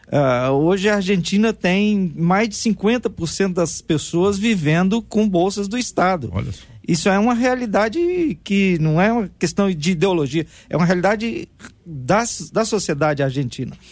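This man's voice is high and his intonation lively. The recording is very clean, with a silent background. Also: fairly slow pace. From Minas Gerais, Brazil (Jequitinhonha Valley). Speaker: pastor. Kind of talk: radio panel debate.

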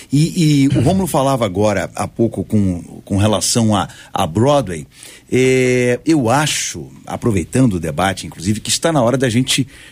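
This man's medium-pitched voice makes very wide pitch swings. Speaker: pastor and voice dubbing actor.

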